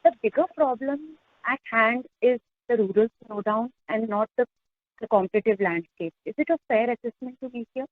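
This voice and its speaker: A woman's voice: on the high side, moderate pace. A woman asking questions as a financial analyst, in a hesitant conversational style. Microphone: phone call. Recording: tinny narrowband phone line.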